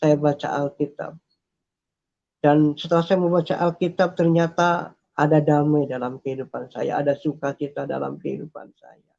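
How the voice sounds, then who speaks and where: A man's voice: on the high side, level tone, moderate pace, vocal fry, darkish tone. A man telling his personal faith testimony in an earnest, repetitive way, with frequent hesitations. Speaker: testimony speaker. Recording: dull lo-fi recording.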